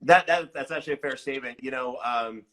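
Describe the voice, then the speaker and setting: A man's voice: mid-range voice, quick pace, a bit bright, slight background noise. A man hosting a podcast interview in casual chat, enthusiastic and complimentary toward the guest.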